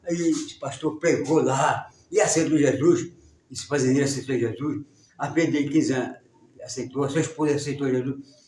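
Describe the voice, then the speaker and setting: Halting church teacher, roomy and distant. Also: male voice, mid-range voice, fairly even intonation, darkish tone, a little hiss or hum. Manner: casual, halting, many repetitions. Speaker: Bible class teacher. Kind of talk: storytelling in a church lesson. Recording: roomy sound, distant mic.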